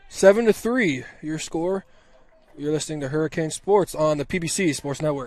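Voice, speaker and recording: Here a man sounds animated and excited. He talks at a moderate pace with a fairly high pitch. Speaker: play-by-play radio announcer. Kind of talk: live sports commentary. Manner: animated, excited; monotone for PA announcements.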